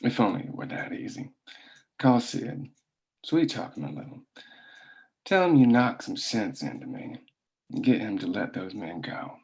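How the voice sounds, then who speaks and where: Male villain boss, acted at a table read: lowish voice, calculating, commanding, terse. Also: very animated, normal speed, long pauses, a little mellow, low-quality recording. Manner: commanding, clipped, scheming. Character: cold, calculating boss of company strongmen. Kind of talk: dramatic script table read.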